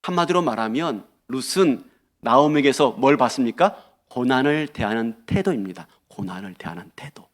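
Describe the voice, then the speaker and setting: A male pastor preaching a sermon in an animated way, often asking the congregation questions. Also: medium pitch, normal speed.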